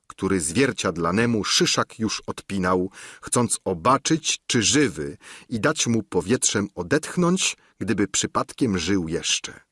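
A man narrating an audiobook classic in an expressive storytelling manner. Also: lowish voice, husky, dry recording, clean studio sound. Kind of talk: scripted narration.

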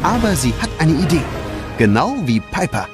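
A man's voice: on the high side, very animated, normal speed. A man narrating a children's audio drama in a scripted storytelling style. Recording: loud music behind the voice.

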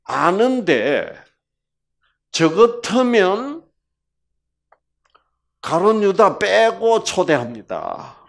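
Male lecturer, sermon delivery, lively pitch, slow deliberate pace, drops to whispers. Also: vocal fry. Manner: swings from loud emphasis to hushed whispers, jokes and laughs; slow, drawn-out emphasis. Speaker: health lecturer.

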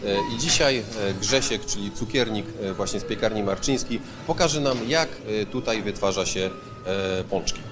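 Low-voiced man reporting, halting delivery. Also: music in the background. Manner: halting, frequent hesitations. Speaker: reporter and host. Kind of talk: on-location video report. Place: tiled bakery production room. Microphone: handheld reporter microphone.

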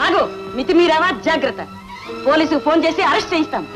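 A woman's voice: high voice, fast talker, music in the background, lightly acted. A woman acting in an old film drama, speaking sharply and scornfully. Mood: threatening. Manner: sharp, scolding.

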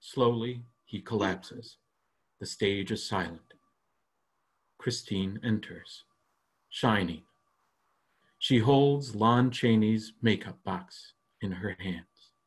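A man reading stage directions as scripted narration, measured and plain, for a staged reading. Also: on the low side, breathy edge.

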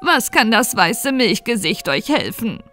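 A woman voicing a scheming old witch who coaxes and coos in a sing-song way, with soft music behind. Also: very animated, unhurried, full character voice. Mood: wheedling. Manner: coaxing, sing-song cooing, high and loud. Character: scheming old female witch, sly and wheedling.

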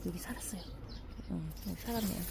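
A middle-aged woman chatting casually as she walks through her outdoor flower garden, admiring the plants with many soft fillers. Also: on the low side, fast talker, gravelly, noisy background. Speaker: gardening vlogger.

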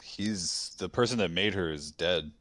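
A man's voice: deep voice, measured pace, fairly bright tone, dry recording. A man chatting casually as a player in a roleplaying game, hesitant and often rephrasing himself. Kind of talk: casual improvised in-game chat. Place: indoors at home, on a video call.

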